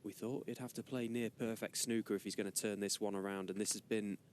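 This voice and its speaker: A man commentates live on snooker in a fairly low voice. His delivery is measured, describing play as it unfolds, with a faint rumble of noise behind him. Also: fairly even intonation, a little mellow.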